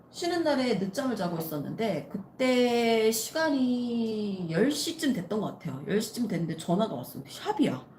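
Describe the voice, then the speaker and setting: Animated woman storyteller in a roomy space. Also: mid-range voice, a little hiss or hum. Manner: animated, acts out quoted people in the story. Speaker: nail artist and channel host. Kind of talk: casual live-stream storytelling. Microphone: live-stream setup. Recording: roomy echo with faint ambience.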